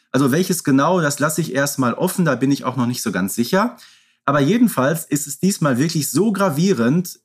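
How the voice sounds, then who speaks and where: A man's voice: fairly high pitch, slightly rough. A man co-hosting a podcast, talking casually and explaining things in colloquial language. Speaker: podcast co-host. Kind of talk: casual podcast conversation about audio dramas.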